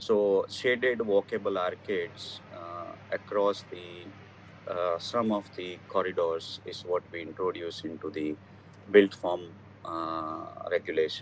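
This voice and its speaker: The speech moves at a fairly slow pace with fairly even intonation and big swings in loudness. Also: man, very deep, low pitch for a man. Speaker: architect and urban planner. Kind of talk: conference presentation. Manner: hesitant, many fillers.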